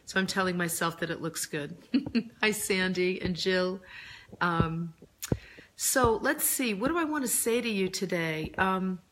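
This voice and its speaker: A middle-aged woman recovering from laryngitis, chatting casually on a live stream in a reflective, earnest, halting way, her voice deeper than usual. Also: fairly bright tone. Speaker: host of a live stream, author and coach. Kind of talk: casual live chat answering viewer questions.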